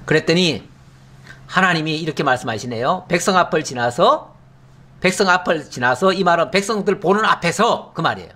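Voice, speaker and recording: A middle-aged man preaching a Bible lesson, his fairly high voice rising and falling in lively swings. He keeps it conversational, tossing out rhetorical questions and answering himself with a quick "yes". He sounds like a pastor explaining scripture to his congregation. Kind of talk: Bible teaching sermon.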